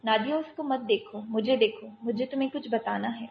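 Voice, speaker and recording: A woman voicing a calm, commanding young male army captain who steadily coaxes a frightened child, on dull lo-fi audio. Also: a little high, gravelly, slight background noise. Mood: coaxing. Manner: steady, coaxing, talks a frightened child through danger.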